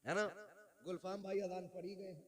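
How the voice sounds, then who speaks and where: A man's voice: high-pitched, level tone, a little fast, darkish tone. A man preaching at a religious gathering, joking with the crowd and leading their responses, then chanting a long lineage. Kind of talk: sermon with crowd call-and-response. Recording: crowd noise from a live gathering.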